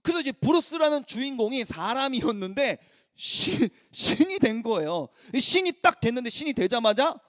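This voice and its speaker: A man with a strikingly high voice gives a lively, storytelling sermon to a teenage congregation, swinging up and down in pitch as he acts out quotes. He slips casually between chatty and polite speech. The sound is close and dry, with no room around it. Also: moderate pace, no echo. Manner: informal speech mixed with polite forms. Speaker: youth pastor.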